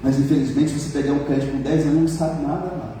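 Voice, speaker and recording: Brazilian pastor preaching in an echoey hall. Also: male voice, fairly high pitch, steady tone, very fast, warm tone, a little hiss or hum. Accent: Brazilian Portuguese. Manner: colloquial, joking, rising to emphatic preaching. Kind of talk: sermon with personal testimony. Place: church hall. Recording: echoey church hall from far off.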